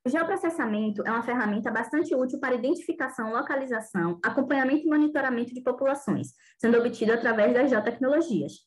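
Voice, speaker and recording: A woman's voice: a little high, animated, quick pace, few pauses. A young woman, a graduate student, presenting her project slides over a webcam and reading steadily with small hesitations and fillers. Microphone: webcam video call.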